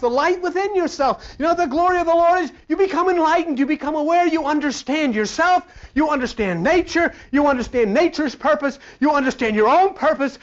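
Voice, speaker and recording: A man delivers a blunt, fiery sermon in a high, lively voice. He swings from hushed asides to loud calls. The recording is dull and lo-fi. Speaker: spiritual teacher. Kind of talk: sermon-style lecture.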